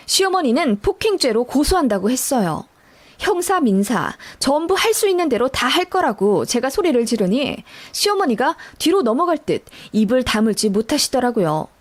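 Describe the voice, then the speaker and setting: High, lively female story narrator. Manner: indignant, emphatic storytelling. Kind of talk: dramatic first-person story reading.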